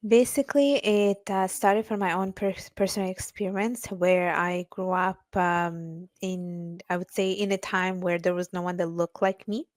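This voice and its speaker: A woman's voice: on the low side, fairly even intonation, unhurried, few pauses, dry recording. A woman from Italy, a finance professional and mentor, answering interview questions earnestly, with many fillers and restarts.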